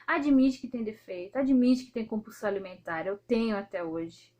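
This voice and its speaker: A Brazilian woman in her thirties, speaking with a Brazilian accent, talking straight to her viewers in a loud, outspoken, indignant way. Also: a little high, animated, moderate pace, highs cut off. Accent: Brazilian Portuguese. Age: 30s. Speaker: video host. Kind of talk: casual monologue to viewers.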